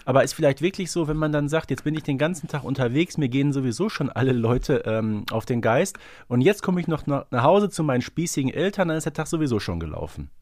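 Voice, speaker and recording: A man talks as a podcast co-host, casually analysing as he goes. His voice sits at an ordinary male pitch. The sound is dry, with very little room in it. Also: lively intonation, fast, hardly any pauses, darkish tone, no echo.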